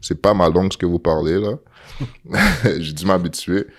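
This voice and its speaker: Deep-voiced young man with a Quebec accent. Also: unhurried. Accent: Quebec French. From Montreal. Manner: animated, mixes in English slang. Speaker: guest football player. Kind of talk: casual storytelling chat.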